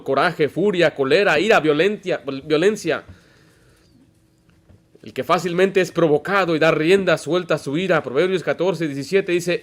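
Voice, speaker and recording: A man, preaching a Baptist sermon as pastor, emphatic and full of stories and rhetorical questions. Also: a little high. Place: church.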